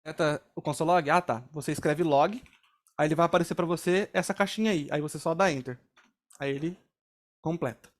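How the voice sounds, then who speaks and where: A man's voice: fairly high pitch, a little fast. A young Brazilian man with a Brazilian Portuguese accent teaching a live coding class, walking through each step casually and checking in with his students. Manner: casual, explains step by step, frequent "tá?" and "ó". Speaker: programming instructor.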